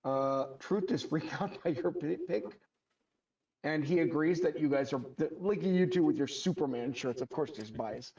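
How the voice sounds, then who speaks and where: A slightly muffled, distant-sounding man with a higher voice co-hosts a livestream. He chats casually, reads out comments and banters bluntly. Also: moderate pace, a little mellow, breathy edge. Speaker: co-host reading out viewer comments.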